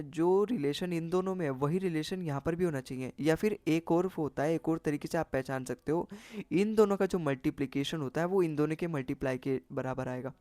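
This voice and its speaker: A man's voice: fairly high pitch, darkish tone, dry recording. A man teaching an exam-prep maths lesson, explaining step by step and often checking in with the listener.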